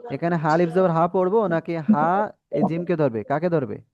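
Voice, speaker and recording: A man's voice: on the high side, a little mellow, dry recording, highs cut off. Patient Bangladeshi man teaching Quran reading. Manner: patient, corrects and models drawn-out syllables. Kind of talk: online class teaching Arabic letter reading.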